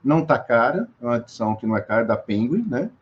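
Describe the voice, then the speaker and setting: A man's voice: medium pitch, animated, quick pace, muffled recording, a little hiss or hum. Hesitant Brazilian man explaining verse meter. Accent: Brazilian Portuguese. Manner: hesitant, many restarts and fillers. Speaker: guest. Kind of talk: interview explanation.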